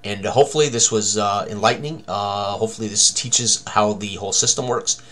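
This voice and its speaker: A man's voice: fairly low pitch, fairly quick, a bit bright. A man in his sixties giving an informal tutorial, explaining step by step and often checking with a tagged-on "right?". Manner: checks understanding with frequent "right?". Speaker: game designer presenting a tutorial. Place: indoor room at a desk.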